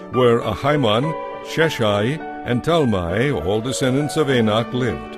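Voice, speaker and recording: A man narrating a dramatized audio Bible with measured, solemn scripted delivery. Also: mid-range voice.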